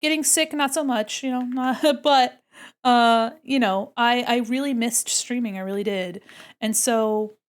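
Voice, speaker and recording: A woman's voice: a little high, steady tone, measured pace. A woman streaming her art, congested from a cold, chatting casually with viewers and murmuring to herself as she works. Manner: chatty, answers chat questions, murmurs to herself while working. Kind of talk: casual chat with viewers while drawing.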